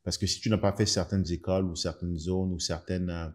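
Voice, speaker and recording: A man hosting a podcast, interviewing a guest with quick questions and brief agreeing asides. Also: sits low, flat delivery, a little mellow. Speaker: podcast host. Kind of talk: interview conversation.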